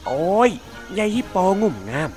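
A man voicing a cranky anteater who yells at a clumsy visitor to go away. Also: high-pitched, animated, brisk. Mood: angry, shooing. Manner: shouting, scolding. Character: cranky anteater, easily annoyed. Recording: music underneath.

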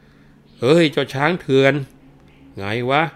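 A man voicing a gruff police officer who shouts rough threats. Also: on the low side, steady tone, moderate pace, natural voice. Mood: bellowing.

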